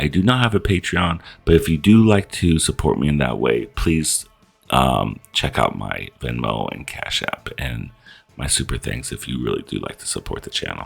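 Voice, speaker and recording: A man speaks at a moderate pace in a very deep, low pitch with very wide swings. Music plays in the background. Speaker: YouTube reaction creator. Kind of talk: casual vlog intro. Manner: speaking low; hesitant, filler words.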